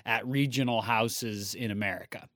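Guy cohosting a theater podcast, deep morning voice, laughs easy, dry sound. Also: normal speed, dry recording. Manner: relaxed, laughs easily, rambling asides. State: deeper morning voice. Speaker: podcast co-host. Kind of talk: casual podcast chat about theater.

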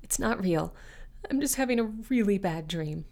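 A woman voicing a terrified woman who pleads in a high, panicked voice. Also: expressive, moderate pace, darkish tone, natural voice. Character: terrified woman trapped in an elevator.

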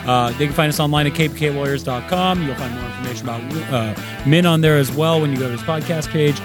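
A man's voice: fairly high pitch, fast talker, music in the background. A man co-hosting an interview podcast with casual, informal and encouraging banter. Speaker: podcast co-host.

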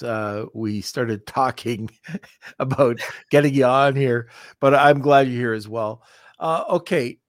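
A man hosting an interview show, relaxed and welcoming as he talks plainly with his guest. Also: mid-range voice, no room sound, studio quality. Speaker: podcast host.

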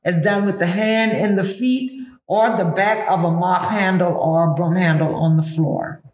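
A woman's voice: fairly low pitch, fairly even intonation, moderate pace, a little mellow, echoey room. A woman whose first language is Gullah, with a Southern Black Gullah Geechee accent, explaining things instructively as a tour guide in conversation. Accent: Gullah Geechee, Southern Black American. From Gullah Geechee community of Pinpoint, coastal southern US. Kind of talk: explanatory interview talk.

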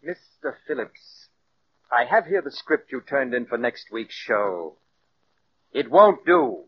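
An actor playing a domineering radio star, curt and dismissive, in 1940s radio style. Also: male voice, medium pitch, big pitch swings, slow. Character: domineering middle-aged male radio star. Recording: dull old radio broadcast, faint hiss.

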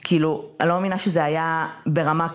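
A young woman co-hosting a podcast in casual chat, emphatic and animated, often checking in with "okay?". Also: low voice. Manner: animated, emphatic, peppers talk with "okay?" and "right?". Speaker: podcast co-host.

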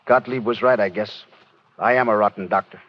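An actor playing an earnest, emotional young country doctor in an old radio drama. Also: male voice, fairly low pitch, fairly even intonation, fairly quick, lightly acted. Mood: anguished. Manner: earnest, emotional, swinging to despair. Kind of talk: 1930s radio drama acting. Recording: dull old radio broadcast.

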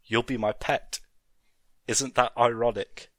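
A man's voice: medium pitch, steady tone, slow pace, dry recording, studio quality. A man voicing a fat, nerdy mad scientist man who rants and gloats in a raised voice. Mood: gloating. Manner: shouting, ranting.

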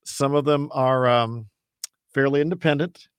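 A man who is a campus evangelist, talking as a radio interview guest in a loud, earnest, emphatic preacher's voice, often restarting his sentences. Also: medium pitch, normal speed, smooth, no room sound.

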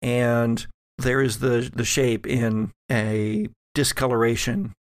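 A man acting as game master, narrating a tabletop role-playing game in measured phrases with dramatic pauses. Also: medium pitch, no echo, clean studio sound.

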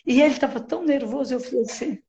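A middle-aged woman sharing a personal testimony in conversation, talking haltingly with many restarts and tag questions. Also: high-pitched, mellow, dull audio. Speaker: mentoring client sharing her story.

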